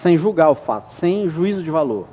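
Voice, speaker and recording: A man's voice: a little high, very animated, moderate pace, dark tone, slight background noise. A man as a studio interview guest, explaining ideas patiently with examples and frequent tag questions. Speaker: guest expert.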